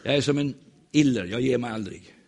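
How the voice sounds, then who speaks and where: A man preaching in a church, telling stories in a lively, joking way and acting out the voices of the people in them. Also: medium pitch. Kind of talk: humorous sermon storytelling.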